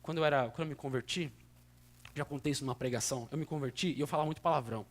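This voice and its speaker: A young man preaching in a church in Brazilian Portuguese with a São Paulo accent, conversational and earnest, moving between soft asides and sudden emphatic bursts. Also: medium pitch, rapid-fire. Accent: São Paulo state Brazilian Portuguese. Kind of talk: sermon.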